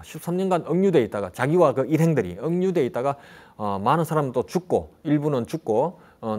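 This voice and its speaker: A man's voice: medium pitch, a little mellow. A middle-aged man talking casually as a travel guide about local history, rambling with fillers and restarts and asking rhetorical questions. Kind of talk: conversational travel talk on history.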